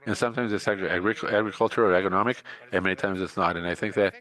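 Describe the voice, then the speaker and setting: A man's voice: low-pitched, steady tone, very fast, a bit bright. A man from Rica, giving a conference presentation in hesitant English, full of filler sounds and restarts. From Costa Rica. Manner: hesitant, many filler uhs and restarts, speaking English as a second language. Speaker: conference speaker.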